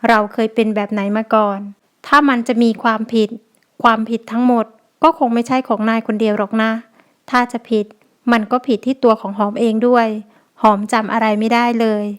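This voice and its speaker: A woman as a young mom, soft and earnest, bit high voice, audio novel. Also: little pitch movement, brisk, clear, resonant tone, natural voice. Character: young mother, wary but kind-hearted.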